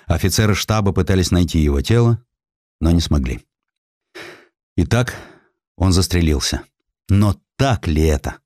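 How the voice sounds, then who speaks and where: A man reading a historical narrative as an audiobook narrator, in a measured, deliberate and dramatic way with weighty pauses. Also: low voice, expressive, a little mellow, no room sound, clean studio sound.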